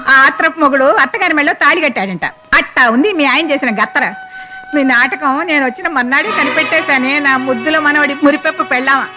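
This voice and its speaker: An actress playing a fiery, sharp-tongued old grandmother who scolds and mocks in rapid bursts. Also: high-pitched, music in the background, close to an everyday voice. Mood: reassuring. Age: older. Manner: scolding, mocking, rapid-fire insults. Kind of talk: film comedy acting.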